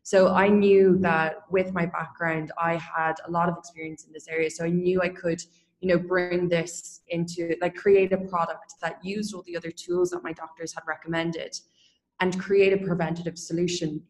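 A woman's voice: lowish voice, moderate pace, low-quality recording. Earnest young woman. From Ireland. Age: young adult. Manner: earnest, open, talkative. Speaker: guest, company founder. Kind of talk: casual interview talk.

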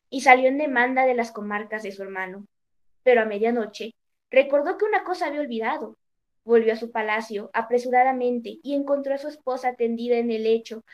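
A woman narrating an old storybook tale in a measured, even reading. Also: fairly high pitch, dull audio.

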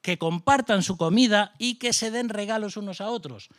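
Impassioned Spanish pastor preaching. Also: male voice, high-pitched, normal speed, a bit bright, dry recording, clean studio sound. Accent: Spain Spanish. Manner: impassioned, rhetorical questions, mocking asides. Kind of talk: sermon.

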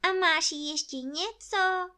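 Woman voicing a bear cub, naive, greedy, squeaky and high, bright, lively. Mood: eager. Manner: high squeaky strained voice, plaintive. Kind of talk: storybook reading.

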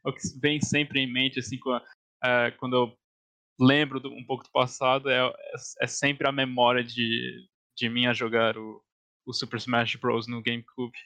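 A young man with a Brazilian Portuguese accent chats casually as a game developer guest. His voice is gravelly and bright, with a bit of tension in it. The sound is dry and close, and he keeps dropping easy "yeah" fillers. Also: medium pitch, moderate pace, dry recording. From born in Portugal, raised in Canada and Brazil. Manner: relaxed, frequent "yeah" fillers and soft laughs. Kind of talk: casual interview chat.

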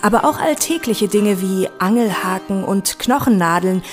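A woman's voice: mid-range voice, animated, normal speed, over music. A woman narrating a scripted history guide in a storytelling style.

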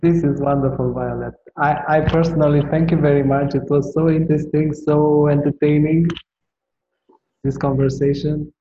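A man talking over a phone call in a casual conversation, halting and repeating words as he searches for them. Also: on the high side, fairly even intonation, mellow. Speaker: caller speaking with a Tai Chi teacher. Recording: muffled echoey call line with faint noise.

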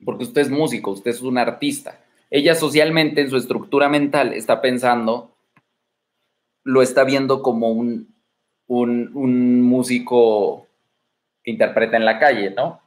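A man's voice: medium pitch, steady tone, measured pace. A man with a Mexican accent hosting a livestream, giving dating advice in a blunt, crude, swaggering way, full of slang and rhetorical questions, talking from a room at home. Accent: Mexican Spanish. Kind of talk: casual livestream advice talk. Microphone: streaming from home.

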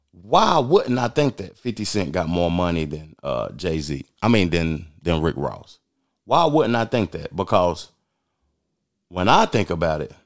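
Deep-voiced man in his forties, blunt. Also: no echo, clean studio sound. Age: 40s. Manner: blunt, emphatic, streetwise talk. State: losing his voice. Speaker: podcast host. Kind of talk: casual commentary.

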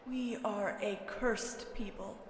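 A woman voicing a soft-spoken, weary old man in a story, speaking gravely and haltingly. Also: mid-range voice, steady tone, reverberant, in a large hall, a little hiss or hum, natural voice. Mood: grave, haunted. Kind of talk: storybook narration.

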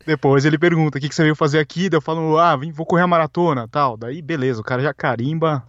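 A man's voice: a little high, quick pace, fairly bright tone, dry recording. A man with a Brazilian accent, chatting in a laid-back, wry way over a remote call. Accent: Brazilian Portuguese. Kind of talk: casual chat. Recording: dull lo-fi call audio.

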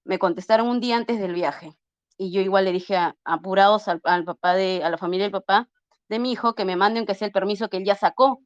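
A woman's voice: medium pitch, fairly quick, no echo. A middle-aged woman tells a personal story in a casual, earnest way, voicing the people in it as she goes and often restarting her sentences. The audio is dry and a little muffled, close and lo-fi. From Peru. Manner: earnest, acts out dialogue while retelling, frequent restarts. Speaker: interview guest.

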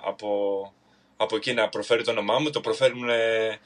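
A man's voice: on the low side, steady tone, fairly bright tone. A man from Greece chatting casually on a podcast over a video call, hesitant and full of fillers and restarts. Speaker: podcast guest.

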